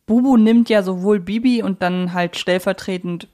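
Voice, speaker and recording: A woman speaks in at a middle pitch, as co-host of a casual fan podcast. She talks conversationally and works out her thoughts as she goes. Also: moderate pace, warm tone.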